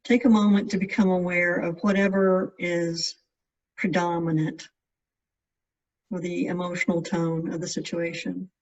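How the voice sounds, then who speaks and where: A meditation guide giving gentle, measured instructions in spaced-out phrases. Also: medium pitch, flat delivery. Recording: distant mic, dull lo-fi sound.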